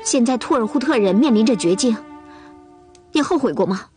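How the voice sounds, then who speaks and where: An actress voicing a headstrong, lovesick young Russian woman in a television costume drama. She keeps pressing her demand in a high, lively voice that climbs and dips a lot, with a music score swelling behind her. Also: fairly quick, close to an everyday voice. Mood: earnest. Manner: insistent, repeats her pleas over and over. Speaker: Russian woman in love with a herder.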